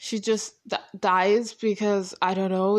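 A woman's medium-pitched voice at a very slow pace. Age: young. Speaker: TV review youtuber. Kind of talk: casual show review monologue. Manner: animated.

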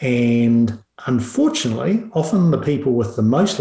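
A man with a New Zealand accent, medium pitch, dark, mellow tone, somewhat breathy delivery, lively intonation and a fairly slow pace. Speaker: business executive and author. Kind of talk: interview.

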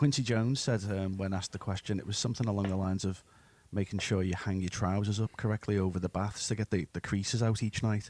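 Speaking at a very fast pace, a man with a fairly low pitch keeps his intonation fairly even in a very clean recording with a silent background. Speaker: podcast co-host and audio engineer. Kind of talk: interview conversation.

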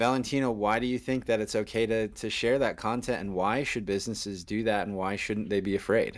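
Recorded very cleanly against a silent background, a man with a plain, everyday voice speaks at medium pitch with ordinary pitch variation. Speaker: podcast host. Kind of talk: casual interview.

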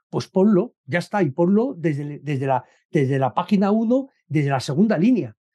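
A man with a high pitch and a dark, mellow tone speaks at a moderate pace with very wide pitch swings, in a dry, close sound with no echo. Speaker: B2B sales consultant. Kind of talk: casual interview.

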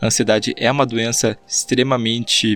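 This man's voice sits at a medium pitch with monotone, flat intonation. He talks at a moderate pace. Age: 20s. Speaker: podcast host. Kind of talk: casual solo Q&A.

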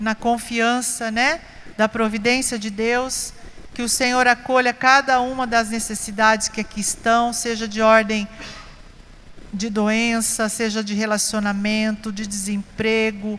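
A woman with a Brazilian accent speaks at a fairly high pitch and a fairly slow pace. Her tone is warm and her intonation is monotone and flat. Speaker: group leader and preacher. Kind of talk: fervent prayer and exhortation. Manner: fervent, emotional; warm, reassuring, speaking as Mary.

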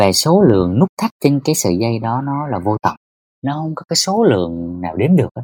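Very wide pitch swings mark a man's fairly quick speech. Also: medium pitch for a man, dry, close sound with no echo. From Vietnam. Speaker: poet and journalist. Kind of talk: podcast interview.

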